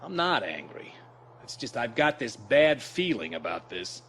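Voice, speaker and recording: An actor playing a brash, wry general with an informal, wisecracking manner in a science fiction audio drama. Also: male voice, medium pitch, sing-song, a little slow, background noise. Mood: soft, uneasy. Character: brash, wry male military general and devoted husband. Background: orchestral score.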